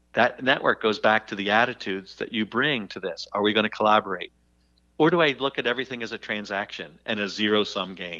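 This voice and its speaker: A man has a normal speaking voice with a fairly low pitch. He talks at a fairly quick pace with ordinary pitch variation. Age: 60s. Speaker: startup founder and author. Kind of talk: podcast interview. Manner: conversational, with frequent fillers and restarts.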